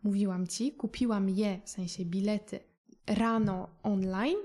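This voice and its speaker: Woman teacher explaining french phrases, calm and clear, mid voice, slows down for examples. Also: medium pitch. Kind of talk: recorded language lesson explanation.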